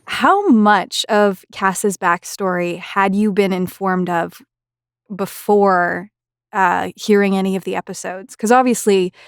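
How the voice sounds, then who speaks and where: A woman's voice: mid-range voice, fairly even intonation, slow pace, clean tone, no room sound, studio quality. A woman conducting a casual interview as the interviewer, asking questions and chatting about the work. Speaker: interviewer, voice actor.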